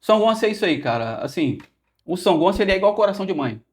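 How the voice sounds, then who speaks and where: A man's voice: sits high, very animated, rapid-fire. A man with a Rio de Janeiro area Brazilian accent hosting a podcast interview, joking and playful as he chats with his guest. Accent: Brazilian Portuguese, Rio de Janeiro area. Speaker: podcast host. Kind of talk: casual interview chat.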